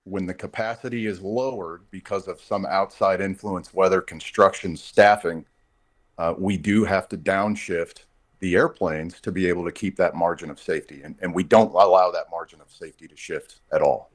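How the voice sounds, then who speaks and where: A man's voice: low voice, fairly even intonation, moderate pace. A man speaking as a union representative in a live news interview, explaining things emphatically and off the cuff. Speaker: air traffic controllers' union representative, interview guest.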